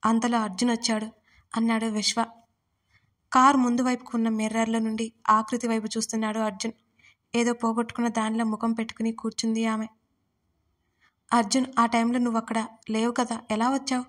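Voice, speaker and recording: Flat-toned woman narrating a story. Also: a little high, a little fast, pauses often. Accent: Telugu. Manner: voices characters' lines with small shifts.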